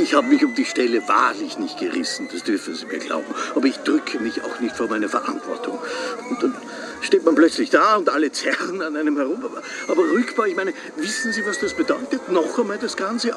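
A defensive small-town mayor, played by a man in a radio drama, on the raised side for a man's voice. He rambles and justifies himself, with clear noise in the background. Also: on the high side, animated, brisk, lightly acted. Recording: noisy background.

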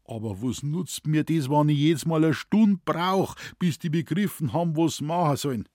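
A man's voice: fairly high pitch, moderate pace, darkish tone, no echo, studio quality, voice pushed up, close to an everyday voice. A man voicing a grumbling old Bavarian forest warden in broad dialect, speaking raised and flustered. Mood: exasperated.

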